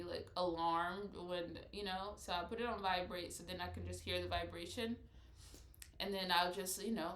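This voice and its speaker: A woman's voice: medium pitch, a bit bright. A woman talking casually in a spiritual vlog, rambling with many restarts, and she sounds congested and nasal. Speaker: vlogger. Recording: echoey room.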